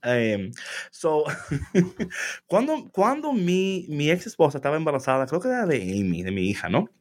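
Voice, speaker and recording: A man's voice: on the high side, wildly swooping pitch, unhurried. Playful, laughing man reading aloud. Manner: playful, laughs often, mixes English into Spanish; jokes about words he reads. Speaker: co-host. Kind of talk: casual chat, reading aloud.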